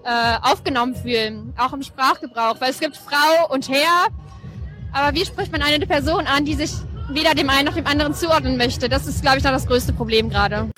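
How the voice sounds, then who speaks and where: A woman giving an earnest, measured interview statement. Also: high voice, fairly bright tone, soft background music, some chatter behind.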